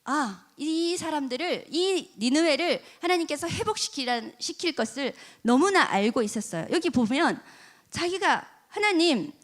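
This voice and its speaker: A woman preacher giving an evening church sermon, telling a story with animated acted-out scenes. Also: sits high, moderate pace. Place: church service.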